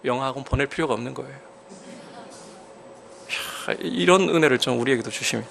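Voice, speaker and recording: A man preaching a sermon as a pastor, emphatic, with sudden rises in pitch and loudness and questions put to the congregation. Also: quick pace, vocal fry.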